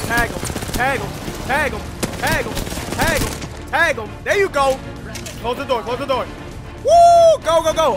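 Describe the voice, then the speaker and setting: Excitable young man yelling over gameplay. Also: high voice. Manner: excitable, yelling, cursing, repeats phrases. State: losing his voice. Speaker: gaming YouTuber. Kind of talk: loud reactive gameplay commentary.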